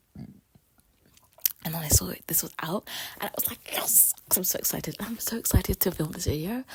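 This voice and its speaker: A woman talks with a British accent. Her voice is somewhat breathy. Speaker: YouTuber. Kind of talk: casual vlog reaction. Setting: home at night. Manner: quiet; animated.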